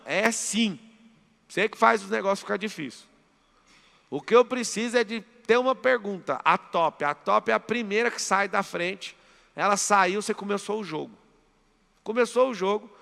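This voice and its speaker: A man with a Brazilian Portuguese accent is a mentor leading a live motivational seminar, driving his audience with emphatic commands. His high voice is deeply gravelly and has a bright, forceful edge. Long reverb from the big hall lingers after each phrase.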